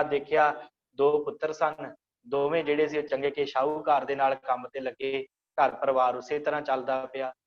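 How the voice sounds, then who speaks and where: A man teaching an online scripture class, explaining slowly and repeating phrases to guide pronunciation. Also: medium pitch, highs cut off.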